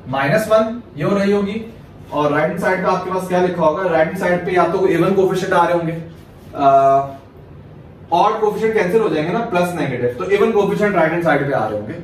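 Guy from pakistan teaching a maths class, asks stuff then answers it himself, booming echo, faint noise. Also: fairly quick. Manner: steady step-by-step explaining. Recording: very echoey room, mic far off, faint hiss.

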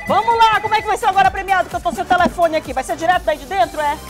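A woman's voice: very high voice, steady tone, racing, faint music behind. A woman co-hosting a live local TV show, playful and chatty. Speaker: TV show co-host. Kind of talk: lively live TV banter.

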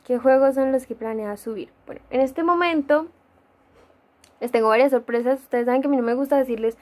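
A woman's voice: sits high, brisk. A young woman with a Colombian accent chatting casually in a dim room at home, answering viewer questions with many fillers and frequent laughs. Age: young adult. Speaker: gaming YouTuber. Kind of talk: casual Q&A vlog.

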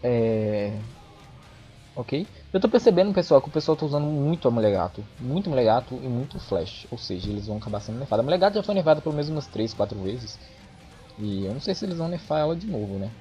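An excitable man commentates a fighting-game match in a loose, chatty way, swearing freely. He is recorded on an old microphone that makes him sound dull and lo-fi. Faint music plays underneath him. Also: mid-range voice, quick pace. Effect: dull lo-fi sound from his old microphone. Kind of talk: casual esports match commentary.

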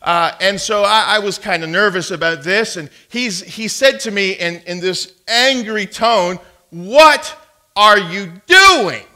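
Slow, bright-voiced pastor preaching. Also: male voice, high voice. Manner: storytelling preacher, emphatic, with frequent stammered restarts. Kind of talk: sermon. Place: church sanctuary.

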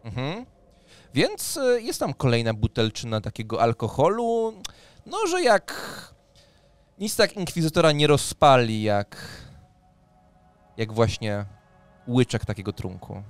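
A man acts as game master at a tabletop session, close on the microphone. His voice is mid-pitched, moving between narration and rules. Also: big pitch swings, a little slow, long pauses, no room sound, soft background music. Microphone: studio mic on a boom arm, close.

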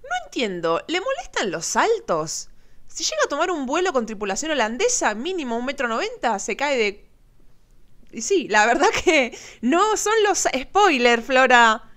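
A woman's voice: high voice, very animated, normal speed, fairly bright tone. A woman with an Argentine accent casually commenting on viral clips as host, chatty and sarcastic, often laughing. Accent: Argentine Spanish.

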